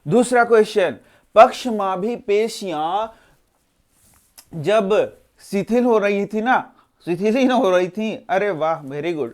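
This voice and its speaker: A man's voice: high-pitched, animated, slow. A male teacher running an exam-prep lesson, posing questions to the students, answering them himself and repeating each answer. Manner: role-plays a tired student's interruptions.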